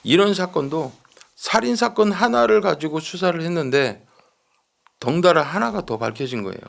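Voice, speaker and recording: Gravelly guy doing true crime talk, explains stuff emphatically, repeats himself, checks you agree. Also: a little high, expressive, normal speed. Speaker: true-crime commentator with detective background. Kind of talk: conversational case commentary.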